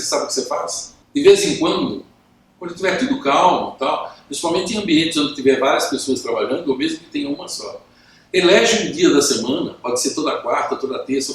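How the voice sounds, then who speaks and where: A Brazilian man coaching business owners to camera, talking calmly and acting out both sides of workplace conversations. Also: on the high side, far from the mic. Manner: acts out both sides of dialogues; calm, even tone. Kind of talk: instructional talk to camera. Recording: very echoey room.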